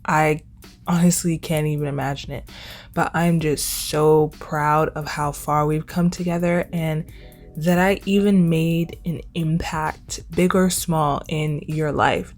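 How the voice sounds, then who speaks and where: A woman's voice: sits low, fairly even intonation, slow pace, darkish tone. A twenty-year-old woman hosting a casual solo podcast, talking in a chatty, informal way and repeating words for emphasis. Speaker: podcast host.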